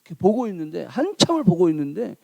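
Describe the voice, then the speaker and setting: A man preaching a sermon, telling a folk tale with playful, animated delivery and asking the congregation questions. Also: sits high, fast talker, gravelly, no echo. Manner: animated, playful, acts out characters. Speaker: pastor. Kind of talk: sermon with lively storytelling.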